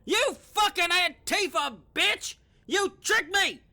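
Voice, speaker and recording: Woman acting explosive, animated male vampire. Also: very high voice, slow pace, full character voice. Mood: furious. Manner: explosive, cursing, indignant. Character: hot-tempered, foul-mouthed male vampire, vicious and petulant. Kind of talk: audio drama comedy acting.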